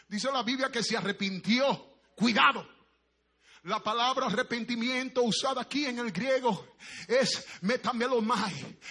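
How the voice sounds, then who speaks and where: A middle-aged man preaching a fiery sermon, swinging from shouted peaks to low, measured speech. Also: breathy edge.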